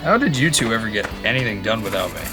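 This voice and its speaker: Boisterous easygoing road trip buddy, playful, pitch bounces all over, audio drama, music behind. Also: male voice, sing-song, fast talker. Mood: easygoing, friendly. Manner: playful, exuberant. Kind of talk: animated audio drama acting.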